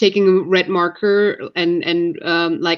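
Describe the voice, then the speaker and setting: A woman with a non-native accent speaks at a very slow pace in a fairly low pitch with monotone, flat intonation. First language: not English. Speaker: book YouTuber. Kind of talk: casual chat. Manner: hesitant, many fillers.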